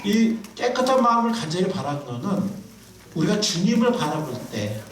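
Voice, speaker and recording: A man preaching a sermon to a congregation, animated and quizzing his listeners. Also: sits high, moderate pace, slight background noise. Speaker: pastor. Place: church sanctuary. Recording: echoey room, mic far off.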